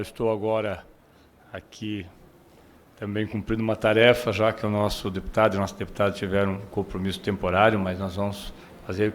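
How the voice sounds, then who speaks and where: Deep-voiced man chairing a hearing. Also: a little hiss or hum. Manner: measured, formal. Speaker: committee chair. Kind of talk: formal parliamentary remarks.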